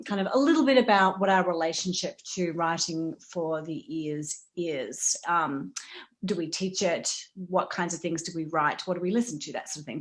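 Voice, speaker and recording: A woman moderating an online panel in an informal, conversational style over a video call. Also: on the low side.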